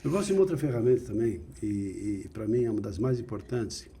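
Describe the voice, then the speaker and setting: A middle-aged male host with a very raspy, dark voice. He asks questions in a relaxed tone and keeps chiming in to agree with his guest. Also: fairly low pitch, fast. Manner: affirming, frequent agreeing interjections. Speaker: interview host. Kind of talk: casual interview chat.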